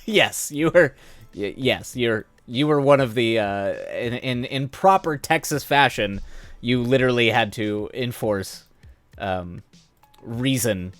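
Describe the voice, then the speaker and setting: A man's voice: mid-range voice, fairly bright tone, no room sound. A man in his thirties hosting a livestream, chatting casually with viewers, rambling with frequent restarts and chuckles. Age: 30s. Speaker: livestream host. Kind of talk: casual chat answering viewers.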